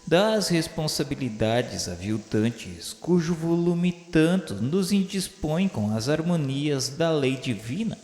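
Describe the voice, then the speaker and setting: A Brazilian man narrating a radio drama in a formal, literary style, measured and solemn. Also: fairly high pitch, animated, a little mellow. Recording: roomy echo with long reverb.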